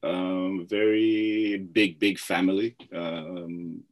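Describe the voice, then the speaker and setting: A man's voice: deep voice, little pitch movement, drawn-out words. A man from Zambia, a guest chatting casually in an interview, often repeating words and laughing easily.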